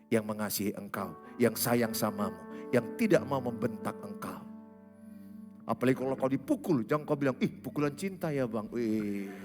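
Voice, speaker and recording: A man preaching a sermon, jumping between loud, high exclamations and soft, low asides in short punchy phrases. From Indonesia. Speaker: pastor. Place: large church hall. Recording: reverberant church hall with faint music.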